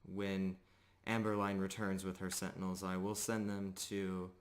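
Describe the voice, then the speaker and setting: Casting: man as strict woman commander for fantasy roleplay, firm and disapproving, formal orders, low unhurried voice. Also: little pitch movement. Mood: commanding. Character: stern, disapproving female military commander.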